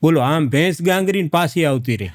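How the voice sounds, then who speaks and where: A man telling a folksy comic village tale, acting out the characters with drawn-out repetition. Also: on the high side, expressive, no room sound. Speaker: comedic storyteller. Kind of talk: folk joke storytelling to a live audience.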